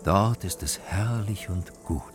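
Proud reindeer in a storybook, very low and unhurried, voiced by a man, music behind. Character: proud old reindeer from the far north.

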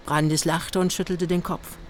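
A woman's voice: on the low side, level tone, measured pace, slight background noise. An older woman narrating a radio play in clipped, terse literary prose.

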